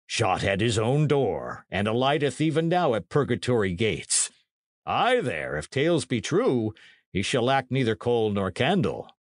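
A man's voice: mid-range voice, big pitch swings, unhurried, no echo, studio quality. A man voicing a blunt, cheerfully grasping medieval soldier in an audiobook, with plain-spoken archaic speech. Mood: cheerful, wry.

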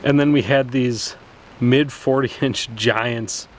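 A man's voice: medium pitch, slow. A man in his thirties hosting a fishing channel, talking casually to the camera outdoors at night with plenty of "uh" and "so". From Wisconsin. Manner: relaxed, chatty, plenty of "uh" and "so". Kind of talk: casual vlog talk to camera. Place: outdoors at night beside a car.

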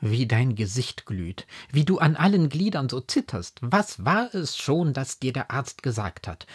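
A proud, stern aristocratic mother exclaims in indignant, elevated phrases, as a man reading a storybook puts her on. The voice rises above his own and sounds slightly husky. The pitch sweeps up and down with each outburst. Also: big pitch swings, a little slow. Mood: anxious.

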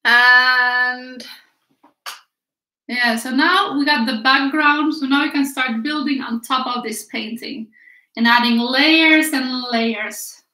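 Swedish lady art teacher, high voice, chatty and encouraging, echoey little room. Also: takes it slowly, sharp tone. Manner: chatty, encouraging, talks to viewers while painting. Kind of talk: live paint-along lesson. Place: small indoor room by an easel. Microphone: camera a few feet away, turns away at times.

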